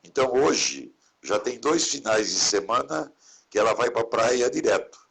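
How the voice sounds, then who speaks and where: A man's voice: medium pitch, lively intonation, unhurried, vocal fry, slightly rough. A man who is a Catholic priest, chatting reflectively and often turning to caring for one another. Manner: warm, reflective, preachy asides about caring for others. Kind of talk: casual conversation in a live stream.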